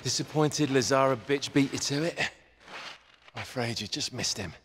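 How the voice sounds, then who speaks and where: A man's voice: mid-range voice, normal speed, a bit bright, big-room sound, slight background noise, close to an everyday voice. A British man playing a wounded, bitter villain with sly charm in a video game, sounding weak and pained. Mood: bitter mockery. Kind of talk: video game cutscene acting.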